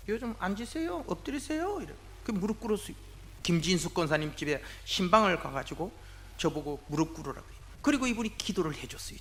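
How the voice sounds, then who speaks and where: Animated older man telling his testimony. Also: extremely high pitch. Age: 60s. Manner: animated storytelling, acting out quoted voices. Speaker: church elder giving testimony. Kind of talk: testimony sermon.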